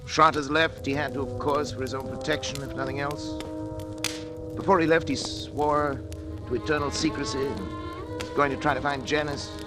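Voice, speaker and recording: A man playing a haunted scientist in a vintage radio play, his voice a little high and theatrical, climbing into frantic cries. Music plays clearly behind him on an old broadcast. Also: steady tone, normal speed, close to an everyday voice. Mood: brooding. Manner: theatrical, rising to frantic outbursts. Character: frightened male scientist, haunted by his creation. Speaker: lead actor and narrator of diary entries. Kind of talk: 1940s radio acting.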